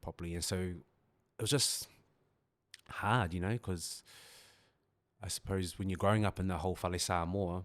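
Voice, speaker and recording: A man with a New Zealand accent speaks at a moderate pace, very deep and low in pitch, with fairly even intonation. Long, frequent pauses break up his speech on a very clean recording with a silent background. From New Zealand, Christchurch. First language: Samoan. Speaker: family violence prevention worker and former barber. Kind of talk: podcast interview. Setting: café studio. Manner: halting, many fillers.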